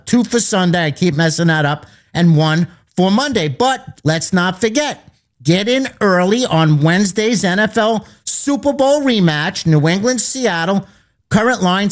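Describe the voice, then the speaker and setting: A man hosting a sports betting radio show, rattling off lines and numbers as he pitches his picks. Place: East Coast of the United States.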